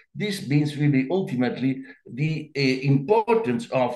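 With an Italian accent, a man talks at a very slow pace amid audible room echo. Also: quiet background. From Florence, Italy; Tuscany, Italy. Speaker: academy vice president and professor; professor. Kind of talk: panel presentation. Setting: video call. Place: home room. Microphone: webcam.

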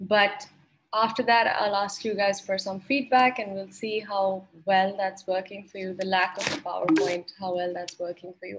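At a moderate pace, a woman's voice comes through with noticeable background noise around it. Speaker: university instructor. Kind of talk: lecture. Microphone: video call.

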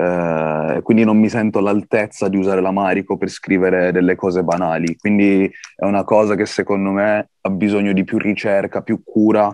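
A man speaks at a moderate pace in a fairly low pitch, his delivery flat and monotone with very even loudness, the sound dry and echo-free over a quiet background. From Ethiopia. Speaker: rapper; interviewee. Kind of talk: interview; interview answer. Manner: hesitant, many fillers. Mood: relaxed, thoughtful. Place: studio. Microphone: video call.

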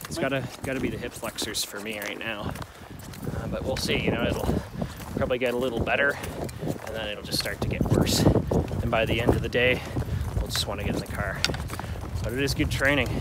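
Over loud background noise, a man talks at a fairly quick pace, and the sound is dry with no echo. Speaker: hiker vlogger. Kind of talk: casual vlog chat. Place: open country. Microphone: phone near.

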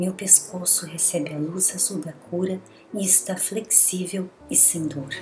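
Soft-spoken and calm in tone, the voice moves at a fairly slow pace with music in the background. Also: woman. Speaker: ASMR creator. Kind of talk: prayer reading, spiritual meditation. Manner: soft-spoken, calm.

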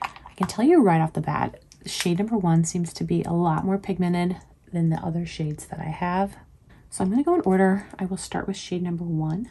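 A woman speaks at a fairly quick pace with a fairly low pitch and fairly even intonation. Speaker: beauty vlogger. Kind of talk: makeup tutorial chat. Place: home room. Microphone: phone near.

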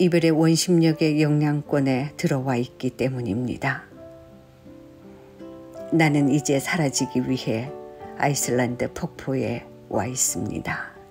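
A woman with a very deep, low pitch and calm tone, at a very slow pace with long, frequent pauses and ordinary pitch variation, music in the background. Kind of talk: poetry reading. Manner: soft-spoken, calm.

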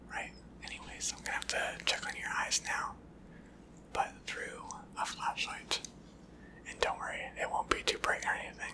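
A man whispers in a gentle tone at a moderate pace. He leaves long, frequent pauses. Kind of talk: soft roleplay addressing viewer. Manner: soft, gentle ASMR speaking voice. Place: home room. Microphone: phone near.

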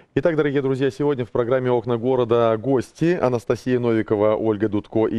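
Dark and mellow in tone, a man's medium-pitched voice moves at a fairly quick pace. Pitch variation is ordinary, over a quiet background. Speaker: TV show co-host. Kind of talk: TV talk show. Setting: studio. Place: studio. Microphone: lapel.

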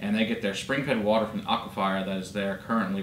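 In a room with audible echo and light background noise, a man talks at a fairly low pitch. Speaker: whiskey review host. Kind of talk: review commentary. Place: home room. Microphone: camera far.

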